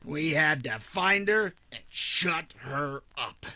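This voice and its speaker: High, sharp, panicky cornered killer. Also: male voice, expressive, slow pace, full character voice. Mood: broken, confessing. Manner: stammering, breathlessly pleading, melodramatic. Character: cornered male hired killer, cowardly, panicky, whining. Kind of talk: 1940s radio drama acting.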